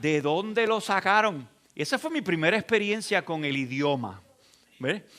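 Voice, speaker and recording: This man talks at a fairly slow pace in a high, bright and sharp voice, his intonation lively. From Puerto Rico. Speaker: guest preacher, pastor. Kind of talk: sermon. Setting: church. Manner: animated storytelling.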